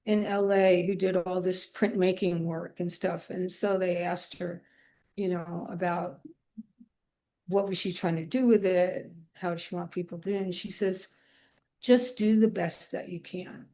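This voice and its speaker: A woman's voice: on the low side, fairly even intonation, measured pace, warm tone. A woman speaking as a podcast guest in a casual interview, in loose, informal phrases dotted with "you know". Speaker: podcast guest, illustrator and art professor.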